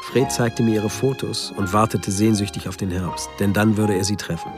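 A man's voice: lowish voice, fairly even intonation, normal speed, over music, lightly acted. An actor playing a man who soberly and reflectively narrates the story of his friend in a radio drama. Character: male friend soberly recounting a lonely man's story.

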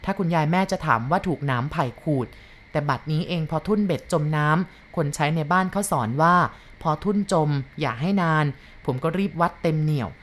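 A woman narrating a first-person story from a boy's point of view in a calm, measured reading. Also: lowish voice.

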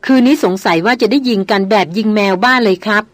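A woman voicing a calm veteran hunter. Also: a little high, dry recording, close to an everyday voice. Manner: plain, unhurried report. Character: calm, seasoned male jungle hunter guide.

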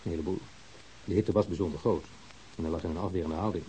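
Guy playing calm pathologist, lowish voice, brisk, factual, hissy radio play. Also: close to an everyday voice, rough recording. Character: matter-of-fact male police pathologist. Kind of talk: Dutch radio drama acting. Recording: hissy old radio drama recording.

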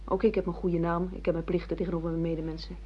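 A woman's voice: on the low side, flat delivery, very fast, a little hiss or hum, natural voice. A woman acting a self-assured secretary and secret mistress in a Dutch radio play, frank and reproachful as she lectures her boss. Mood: chiding. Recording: muffled lo-fi radio play recording.

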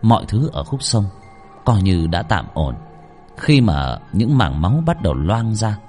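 A man narrating a horror story in a dramatic, animated way. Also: lowish voice, measured pace, soft background music.

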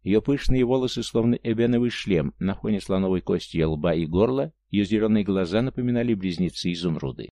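A man narrating a novel in a measured, even storytelling manner. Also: lowish voice, no echo. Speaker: audiobook narrator. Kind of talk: scripted narration.

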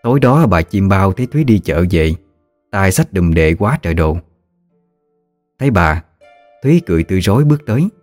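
A man narrating a ghost story in a steady, somber storytelling manner. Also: low-pitched, brisk, long pauses, soft background music.

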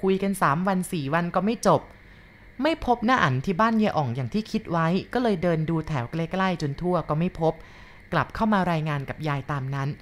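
Low-voiced woman reading a ghost story. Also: lively intonation, a little fast. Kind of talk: read-aloud ghost story narration.

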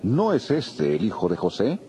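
Astonished, animated townsman. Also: lowish voice, normal speed. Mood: amazed. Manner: animated, questioning. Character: astonished townsman in a synagogue crowd. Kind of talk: dramatized audio Bible acting. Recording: loud music behind the voice.

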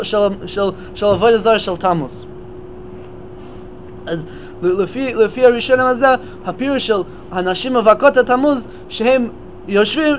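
High-voiced man giving a Torah lecture. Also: a little hiss or hum. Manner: explains step by step, often restarting words. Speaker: speaker at a memorial gathering.

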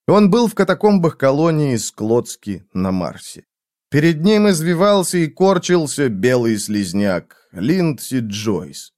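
A man's voice: a little high, sing-song, measured pace, a little mellow. A man giving a dramatic, intense audiobook narration. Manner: theatrical, intense delivery.

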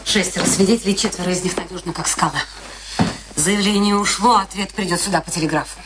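Actress as bitter, imperious low-voiced wife. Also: female voice, fast, lightly acted. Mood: gloating triumph. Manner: theatrical, imperious, biting. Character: bitter, gloating, domineering wife in a dark drama. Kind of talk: radio play acting.

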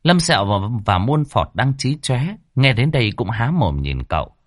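A man narrating a ghost story in an expressive storytelling manner. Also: mid-range voice, moderate pace, dry recording, studio quality.

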